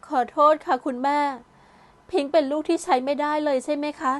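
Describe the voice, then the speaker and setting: A woman's voice: high voice, steady tone, a little fast, natural voice. A woman voicing a remorseful, tearful young woman in an audio novel, pleading and apologetic.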